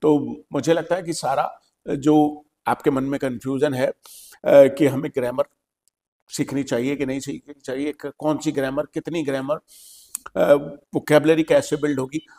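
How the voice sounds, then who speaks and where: A man's voice: medium pitch, fairly even intonation, normal speed, mellow, long reverb tail. A man with an Indian accent, an English teacher hosting a podcast, explaining patiently and repeating his key points.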